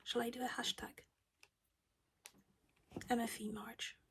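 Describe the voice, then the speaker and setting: A woman's voice: a little high, little pitch movement, takes it slowly, creaky, a little hiss or hum. A woman whispering her way through a casual cross-stitch project chat at home while losing her voice.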